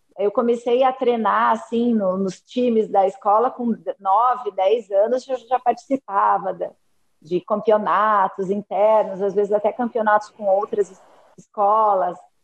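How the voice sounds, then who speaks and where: A woman talks in an ordinary speaking voice, fairly high in pitch, at a fairly slow pace with fairly even intonation. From Brazil, Curitiba. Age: 40s. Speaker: ophthalmologist. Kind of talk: interview.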